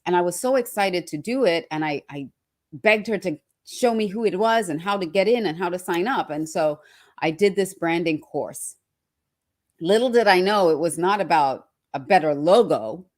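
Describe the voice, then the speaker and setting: A personal branding speaker delivers a motivational talk through personal storytelling, emphatically repeating phrases for effect. Born in Trinidad and raised in Australia from early childhood, she speaks at normal speed in a fairly low, expressive, slightly mellow voice.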